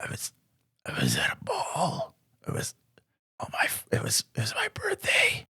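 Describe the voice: A raspy, whispering put-on character voice at a moderate pace with long, frequent pauses.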